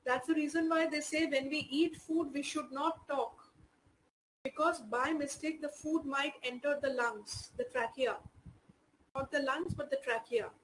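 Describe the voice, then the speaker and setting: High-voiced Indian woman teaching. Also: steady tone, measured pace, fairly bright tone, rough recording. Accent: Indian English. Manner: explanatory, many "you know" fillers. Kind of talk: online class lesson.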